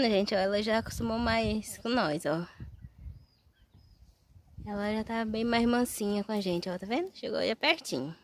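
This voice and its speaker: A woman vlogging outdoors on a farm, chatting away to her viewers as she films on a handheld phone. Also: mid-range voice. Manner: chatty, keeps addressing viewers directly. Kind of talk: casual farm vlog. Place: outdoor farmyard with animals.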